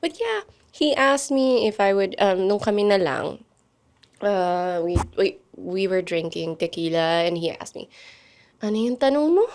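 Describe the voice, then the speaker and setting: Candid Filipino woman telling stories. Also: mid-range voice. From Philippines. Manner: candid, mixes English and Tagalog, quick animated storytelling with laughs. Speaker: guest. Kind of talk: casual interview chat.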